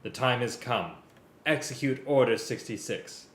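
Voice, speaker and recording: Man reading a sinister dark lord, echoey room. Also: medium pitch, unhurried, lightly acted. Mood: grave command. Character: sinister dark lord giving grave orders by hologram. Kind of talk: staged script reading. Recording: echoey room, loud live string music.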